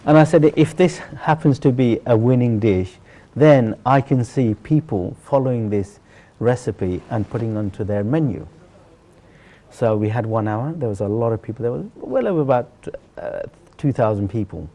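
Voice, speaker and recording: In a warm, medium-pitched voice at normal speed, a middle-aged celebrity chef from Sylhet, Bangladesh, relates his personal history as an interview guest. He talks earnestly and conversationally, repeating himself for emphasis.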